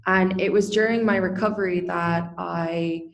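A woman's voice: fairly low pitch, fairly even intonation, measured pace, creaky, highs cut off. A young woman speaking as an interview guest, earnest and open, talking freely about her work. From Ireland. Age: young adult. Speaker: guest, company founder. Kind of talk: casual interview talk.

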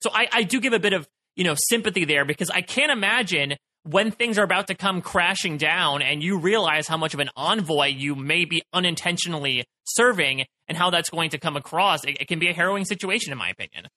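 A man's voice: on the high side, lively intonation, a little fast, bright, forceful tone. A man co-hosting a podcast, chatting casually in long, run-on thoughts about a TV episode. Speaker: podcast co-host. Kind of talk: casual podcast recap chat.

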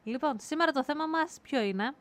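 Lively, teasing Greek woman hosting a podcast. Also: high voice. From Greece. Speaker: podcast host. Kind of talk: casual podcast chat.

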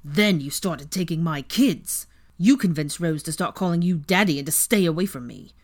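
A woman's voice: low-pitched, animated, normal speed, a little mellow. A woman reading a story aloud, voicing a bitter, hateful man who spits out his accusations in an angry snarl. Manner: angry, spitting, vehement.

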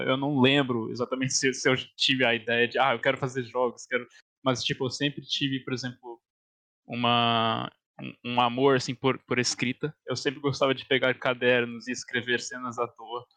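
A young man with a Brazilian Portuguese accent chats casually as a game developer guest. His voice is gravelly and bright, with a bit of tension in it. The sound is dry and close, and he keeps dropping easy "yeah" fillers. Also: medium pitch, moderate pace, no echo. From born in Portugal, raised in Canada and Brazil. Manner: relaxed, frequent "yeah" fillers and soft laughs. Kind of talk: casual interview chat.

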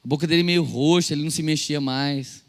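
A young adult Brazilian man preaching a sermon as a pastor, telling stories and acting out quotes, shifting between loud and soft. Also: on the high side, steady tone, fairly quick. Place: church service hall. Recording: church hall reverb.

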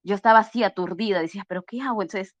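A woman's voice: medium pitch, very fast, no echo. A middle-aged woman, an interview guest telling her story casually and earnestly, acting out the dialogue as she retells it. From Peru. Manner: earnest, acts out dialogue while retelling, frequent restarts. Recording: slightly muffled lo-fi audio.

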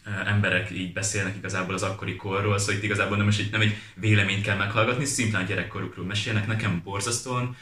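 A man's voice: on the low side, fairly even intonation, hardly any pauses, sharp tone. A man chatting casually as a co-host and giving his opinions in a conversational way. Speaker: talk co-host. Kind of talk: casual chat. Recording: echoey room sound.

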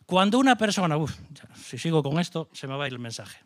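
Impassioned Spanish pastor preaching. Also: male voice, on the high side, sing-song, fast talker, a bit bright, no room sound, clean studio sound. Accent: Spain Spanish. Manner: impassioned, rhetorical questions, mocking asides. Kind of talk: sermon.

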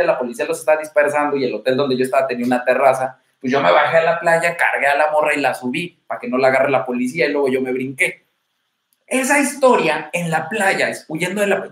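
Mexican man in his thirties, fairly high voice, slangy livestream advice host, echoey room. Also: fairly bright tone. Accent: Mexican Spanish. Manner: slangy, storytelling, addresses viewer as buddy. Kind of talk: casual livestream talk.

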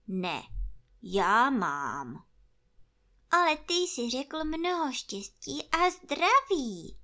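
A woman voicing a gloomy, self-pitying old male donkey who talks slowly and mournfully in a storybook reading. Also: high-pitched, very animated, pushed and bright, voice pushed up, heavily acted. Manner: slow, sighing, self-pitying.

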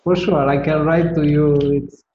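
A man talking over a phone call in a casual conversation, halting and repeating words as he searches for them. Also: fairly high pitch, level tone, warm tone. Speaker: caller speaking with a Tai Chi teacher. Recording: muffled echoey call line with faint noise.

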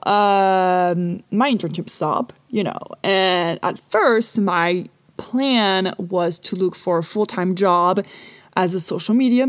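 A woman's voice: on the low side, no echo. Chatty Parisian woman recording inside a closet. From Paris, France. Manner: chatty, rambling, casually swearing. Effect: recorded inside a clothes closet. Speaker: podcast host. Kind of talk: casual solo podcast chat. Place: small closet packed with dresses and magazines.

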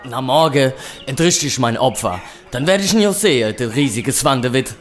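A man's voice: mid-range voice, animated, normal speed, faint music behind, close to an everyday voice. A man playing a greedy, roguish medieval trader in a historical audio drama, talking colloquially with sly eagerness. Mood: boisterous. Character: greedy, roguish male traveling trader of twelfth-century legend.

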